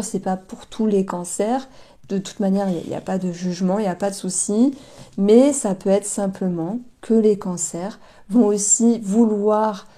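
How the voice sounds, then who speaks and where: Dark-voiced woman giving a chatty tarot reading. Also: mid-range voice. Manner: chatty, hesitant, thinking aloud, addressing viewers directly. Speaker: tarot card reader. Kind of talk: casual tarot reading to camera.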